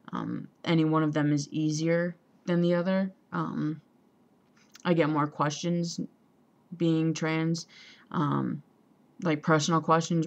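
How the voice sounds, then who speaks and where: A young trans man talking casually to a camera, hesitant, with many ums and pauses, and a voice that still sounds female. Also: on the high side, creaky. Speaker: vlogger. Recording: dull lo-fi home recording.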